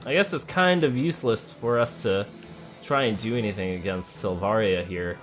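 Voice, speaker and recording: A man's voice: on the low side, moderate pace, faint music behind. A man giving casual let's play commentary on a video game, thinking aloud and talking to the characters as he plays. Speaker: gamer playing a video game.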